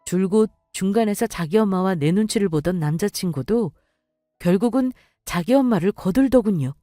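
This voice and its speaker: Mellow-voiced young woman narrating. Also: medium pitch, animated, normal speed, dry recording, studio quality, soft background music. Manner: indignant, confiding. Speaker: storyteller. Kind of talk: scripted first-person story narration.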